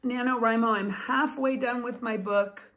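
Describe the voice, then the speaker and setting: A woman's voice: on the high side, fairly even intonation, unhurried, fairly bright tone. A woman in her fifties talking casually to camera at home, chatty and enthusiastic, gesturing with her hands as she talks. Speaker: vlogger and author. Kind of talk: casual talking-head vlog. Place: home room, indoors. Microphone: phone or webcam close up.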